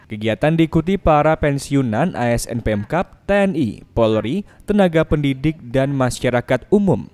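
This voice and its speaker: A man's voice: medium pitch, a little mellow. A man reading a scripted news report as a reporter.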